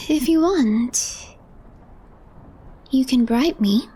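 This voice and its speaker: Woman playing deadpan office coworker girl for asmr roleplay, soft n breathy, takes her time, calm but a bit mischievous. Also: sits high, exaggerated voice. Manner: calm, unhurried, understated, deadpan.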